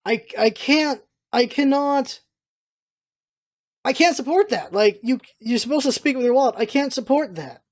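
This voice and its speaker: A man's voice: extremely high pitch, animated, moderate pace. A male vlogger talks off the cuff and gives his opinions freely. He rambles through his points and often says a phrase again to drive it home. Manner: rambling, repeats himself for emphasis. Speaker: vlog host, gaming content creator. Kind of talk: casual opinionated commentary.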